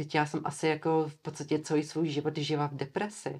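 A woman speaks at a moderate pace with a very deep, low pitch. The recording is very clean, with a silent background. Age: 20s. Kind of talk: interview.

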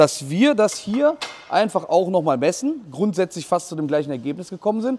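A man's high-pitched voice at a very fast pace. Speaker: car mechanic. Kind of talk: tutorial. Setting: workshop. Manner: soft-spoken. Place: workshop. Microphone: lapel.

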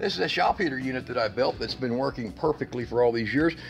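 A man talks while faint music plays behind him. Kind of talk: tutorial. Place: workshop. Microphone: phone near.

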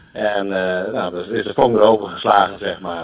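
Noticeable background noise runs through the clip. A man speaks in a fairly low voice. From Groningen, Netherlands.

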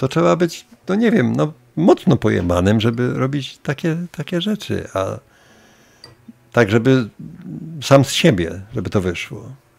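With vocal fry and very wide pitch swings around a medium pitch, a man speaks at a fairly slow pace, leaving long, frequent pauses. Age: 50s. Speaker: gaming streamer. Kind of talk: live stream commentary. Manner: animated. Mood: serious, opinionated discussion. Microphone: headset.

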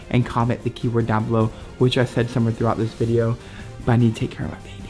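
Against faint background music, a man talks at a very fast pace in a monotone, flat delivery. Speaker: vlogger. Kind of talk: casual vlog chat. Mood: worried, caring. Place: home room. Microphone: phone near.

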